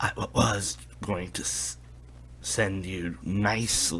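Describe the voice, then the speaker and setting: Over clear background noise, a man puts on a character voice with a very deep, low pitch at a very slow pace. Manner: frustrated, stuttering.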